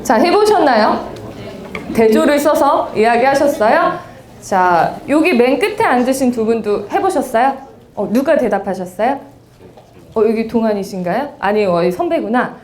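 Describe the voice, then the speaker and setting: A woman's voice: on the high side, moderate pace. A woman speech lecturer giving an interactive seminar lecture in a university lecture room, talking straight to her audience. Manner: lively, addresses the audience directly.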